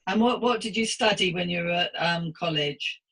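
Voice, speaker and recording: A woman's voice: fairly low pitch, moderate pace, vocal fry, a bit bright, husky. A middle-aged British woman hosting a conversational interview, chatty and empathetic as she asks questions. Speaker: podcast host and interviewer.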